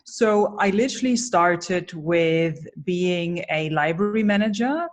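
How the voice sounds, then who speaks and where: A woman's voice: lowish voice, slow pace. A woman, a business coach giving candid, emphatic interview answers. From Germany. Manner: energetic, candid, emphatic storytelling. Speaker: guest, personal branding coach.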